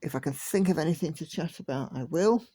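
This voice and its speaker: A woman chatting slowly and gently from home while she stitches, like a vlogger talking along with her work. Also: sits low, slightly rough, no echo. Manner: slow, gentle, relaxed chatter. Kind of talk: casual chat while stitching.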